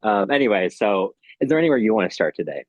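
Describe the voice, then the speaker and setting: A man's voice: lowish voice, very animated, fast talker, no echo, lo-fi sound. A man hosting a podcast, talking casually about literature in a hesitant, hedging way. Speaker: podcast host.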